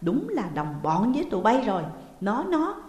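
Một người phụ nữ đóng vai bà chủ giàu có tham lam, xảo quyệt, hay gào thét chửi bới. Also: female voice, fairly high pitch, wildly swooping pitch, moderate pace, darkish tone. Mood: shrill ranting. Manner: shrieking, berating, wailing. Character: greedy shrill middle-aged rich woman, cunning. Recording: roomy reverberant hall sound.

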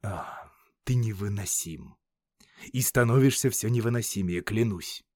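A man's voice: fairly low pitch, measured pace, darkish tone, no echo. A man reading an audiobook, voicing an irritated, practical Roman officer who speaks in an exasperated, warning way. The recording is dry.

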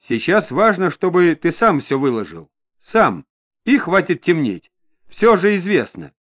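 Guy doing a calm cop grilling a suspect, firm and steady, lively pitch, muffled audio. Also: unhurried. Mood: pressing. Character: calm, firm male police inspector questioning a suspect. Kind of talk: audiobook character voice. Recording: dull lo-fi audio.

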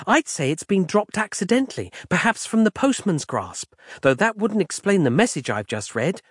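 A man's voice: sits high, sing-song, moderate pace, breathy edge, no echo, studio quality, pitched above the performer's own voice, full character voice. A man voicing a fussy, overly polite young woman who chatters pedantically, as an audiobook character. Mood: chatty. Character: prim, fussy young woman on a walkie-talkie.

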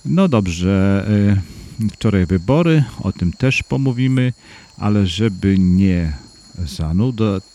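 A man hosting a radio program, talking through an unscripted monologue in a meandering, hesitant way, often pausing to search for words. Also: low voice, expressive, dark tone. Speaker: radio host.

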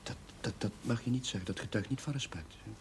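An actor playing an earnest, easily flustered young Catholic chaplain, soft-spoken, hesitant and proper. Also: male voice, mid-range voice, fast talker, a little hiss or hum, close to an everyday voice. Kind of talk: 1970s Dutch television drama acting.

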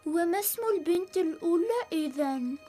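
A woman's voice: extremely high pitch, lively intonation, a little fast, mellow, soft background music. A woman voicing young daughters in a radio story, with a childlike, pleading, playful way of talking. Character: young daughters, eager, dreamy girls.

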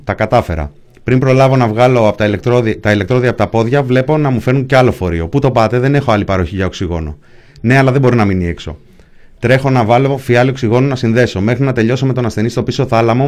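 A man's voice: mid-range voice, a little mellow. Man narrating in clipped, terse fragments. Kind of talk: first-person narration of a hospital shift.

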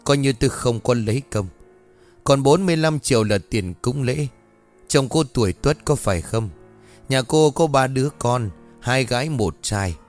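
A man's voice: mid-range voice, expressive, moderate pace, soft background music, lightly acted. A man doing a curt, greedy village sorcerer. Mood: bargaining. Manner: curt, dismissive, haggling.

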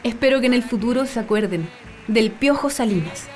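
A young woman acting in a radio drama as a daughter fondly remembering her folk-singer father, speaking in a gentle, reflective way. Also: fairly high pitch, animated, brisk, a faint crowd, natural voice. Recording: music playing under the voice. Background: music.

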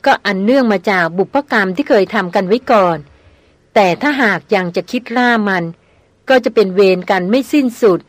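A woman reading the part of a mysterious young male jungle wanderer, speaking slowly and solemnly in an audiobook. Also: medium pitch, dry recording, lightly acted. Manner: slow, measured, solemn.

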